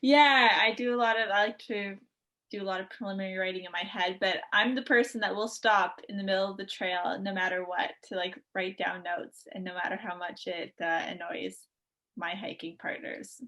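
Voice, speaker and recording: A woman's voice: mid-range voice, fairly even intonation, normal speed, pushed and bright. A woman chatting casually as a podcast co-host. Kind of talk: casual chat.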